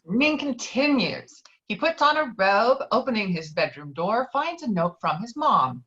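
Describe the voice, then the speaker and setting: A woman's voice: a little high, very animated, moderate pace, sharp tone. A woman reading out screenplay stage directions as the narrator of an online table read. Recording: dull, lo-fi online call audio.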